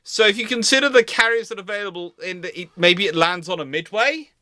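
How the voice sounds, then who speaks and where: A man's voice: high voice, animated, quick pace, bright, forceful tone, dry recording, clean studio sound. A man chatting casually in a panel discussion about military history.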